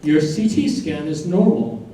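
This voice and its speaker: Stage play doctor male actor: advising, reassuring, very soft dark tone, lively intonation, distant pickup. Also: a little high, unhurried. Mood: clinical. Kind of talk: staged reading, doctor's instructions. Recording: very echoey distant stage recording, faint noise.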